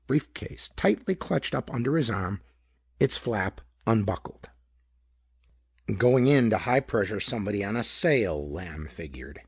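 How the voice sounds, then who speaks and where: A man reading a pulp detective story aloud as scripted narration, with a slightly rough voice and dramatic, expressive delivery. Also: fairly low pitch, a little slow, no room sound, studio quality. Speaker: audiobook narrator.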